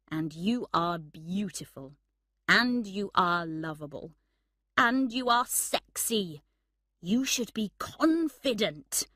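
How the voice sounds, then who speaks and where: A woman's voice: lowish voice, fairly bright tone, no echo, studio quality, exaggerated voice. A woman reading a letter from a slightly drunk young man, rambling and earnest.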